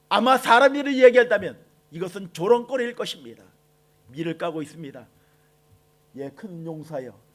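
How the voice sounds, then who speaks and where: High-voiced pastor preaching with fervor. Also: male voice. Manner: swings between soft and shouted lines, quoting God with slow emphasis. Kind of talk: impassioned sermon.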